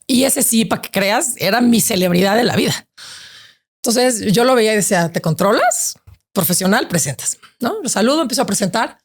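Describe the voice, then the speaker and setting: A woman in her forties with a Mexican accent, a podcast guest telling a heartfelt story in lively, slangy talk full of fillers. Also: on the high side, a little fast, husky. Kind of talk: emotional storytelling.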